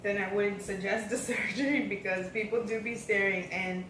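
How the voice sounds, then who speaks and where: A woman's voice: medium pitch, steady tone, normal speed, a bit bright. A young American woman vlogger in casual, informal storytelling chat. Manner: informal, acts out quoted remarks. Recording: echoey room, distant mic, faint noise.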